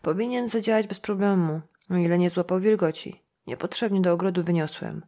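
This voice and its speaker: Villain: sneering older slaughterman killer, read by a woman, pitched low, unhurried and menacing. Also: mellow, natural voice. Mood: gloating. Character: cruel older male former slaughterman, gloating killer.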